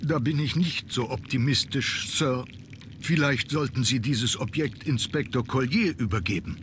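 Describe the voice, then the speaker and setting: A man's voice: mid-range voice, moderate pace, fairly bright tone, slight background noise, lightly acted. A man playing a reserved, weary butler in an adventure game, formal, deferential and resigned. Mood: resigned, dismissive. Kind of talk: scripted adventure game dialogue.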